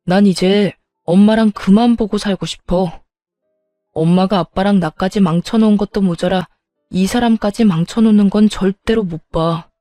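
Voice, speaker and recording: A woman's voice: medium pitch, warm tone, dry recording, clean studio sound, natural voice. A woman reading a fed-up son scolding his mother. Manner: exasperated, raised voice.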